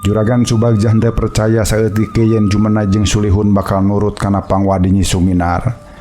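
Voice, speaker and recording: Low-voiced Sundanese male storyteller. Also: level tone, normal speed, warm tone, soft background music. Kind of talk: narrating a Sundanese folk tale to listeners.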